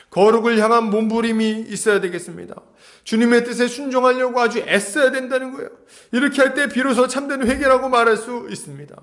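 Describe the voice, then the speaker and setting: A man pastor preaching an expository sermon, emphatic, acting out Bible scenes and asking the congregation rhetorical questions. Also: high-pitched.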